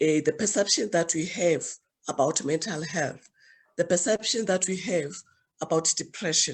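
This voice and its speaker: Pitch varies in an ordinary way at a moderate pace. Nothing disturbs the quiet background. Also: woman, fairly low pitch for a woman. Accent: South African. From South Africa, Setswana-speaking. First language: Setswana. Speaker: psychologist. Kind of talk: lecture. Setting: video call.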